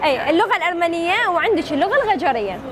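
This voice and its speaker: A woman's voice: extremely high pitch, very animated, racing. A woman with an Iraqi accent hosting a street quiz in a chatty, teasing, playful way. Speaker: street quiz show host. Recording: noisy busy public place, street and crowd sound.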